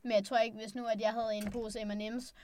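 A young woman in a casual book discussion, animated and acting out what the characters say. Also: fairly high pitch, a little hiss or hum. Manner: animated, acts out characters' lines.

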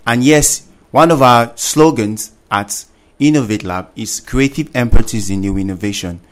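A man explains new words on a children's radio program in a voice of ordinary pitch. His delivery is steady and explanatory, like a patient teacher. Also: normal speed. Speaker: radio show co-presenter. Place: radio studio.

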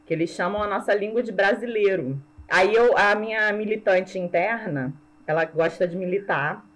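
A woman from Brazil with a Brazilian Portuguese accent, a language teacher chatting as an interview guest, self-mocking and quick to laugh. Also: mid-range voice, poor audio. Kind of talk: casual conversational interview.

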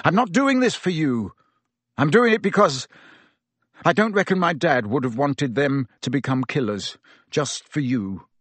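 A man's voice: medium pitch, expressive, normal speed, no echo, close to an everyday voice. A man voicing an earnest, defiant teenage boy in an audiobook, urgent and breathless in delivery. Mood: disgusted.

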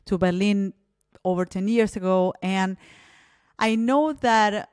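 A woman's voice: medium pitch, takes it slowly, darkish tone, clean tone, no echo. Reflective woman from Argentina, dry sound. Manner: reflective, many fillers like "you know" and "like". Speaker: podcast host. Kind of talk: casual interview chat. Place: Berlin.

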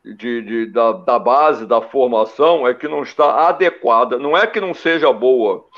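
A man in a casual panel talk, telling animated stories about football and listing old players. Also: mid-range voice, normal speed. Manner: animated storytelling, lists names. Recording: dull lo-fi recording.

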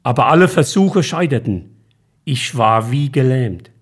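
A man reading his own short story aloud in a calm, measured storytelling manner. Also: medium pitch, breathy edge. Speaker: author and reader.

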